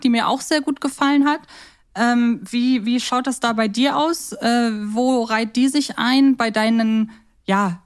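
A woman co-hosting a podcast, chatting casually and enthusiastically as a fan of audio dramas. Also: fairly high pitch. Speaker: podcast co-host. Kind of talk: casual chat about children's audio dramas.

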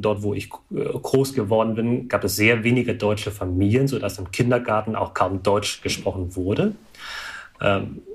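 Interview guest, male, thirties, low voice, calm and analytical, occasional hesitations. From Germany. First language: Vietnamese. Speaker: guest, alumnus. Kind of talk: reflective interview answers.

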